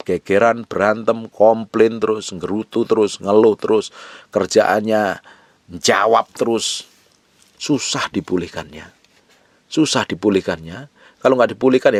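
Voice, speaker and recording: A man with a deep, low voice preaches a sermon as a pastor. He urges his listeners on, swelling to forceful emphasis and then sinking to hushed low phrases, and repeats short phrases for weight. The sound is dry and close, with no room echo. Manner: urgent exhortation, alternating forceful rises and hushed low phrases.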